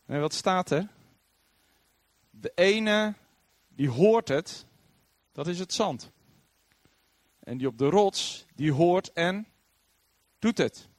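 A man preaching with a fairly high, very lively voice that climbs and drops as he tells the story. He acts out the people he quotes. The sound is close and dry. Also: slow pace, long pauses, no echo. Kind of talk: sermon.

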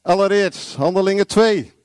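A man preaching a sermon, blunt and confrontational, acting out little dialogues and shouting single words. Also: sits high, moderate pace, clear, resonant tone, no echo, studio quality.

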